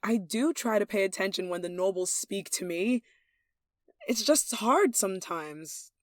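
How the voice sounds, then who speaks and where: A woman's voice: medium pitch, expressive, unhurried, dry recording, studio quality, close to an everyday voice. A woman acting a lovestruck, possessive young royal in an intimate roleplay, tender and playfully commanding. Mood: tender, infatuated. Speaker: voice actor in an audio roleplay.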